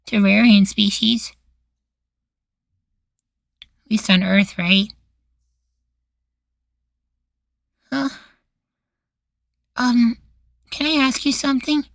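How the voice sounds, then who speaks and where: A woman acts out a sweet, meek young boywife in a sci-fi ASMR roleplay. The voice sits fairly high and is recorded very dry and close. The delivery is hesitant and curious, often trailing into timid questions. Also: gravelly, dry recording. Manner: hesitant, soft-spoken pleading, trailing questions.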